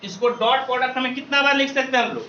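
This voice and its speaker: A man's voice: very high voice, fast, sharp tone, slight background noise. A man teaching maths to a live class, repeating each question so students call back the answers and calling them babu and beta. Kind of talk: classroom lecture with call-and-response. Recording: roomy, distant, dull classroom recording.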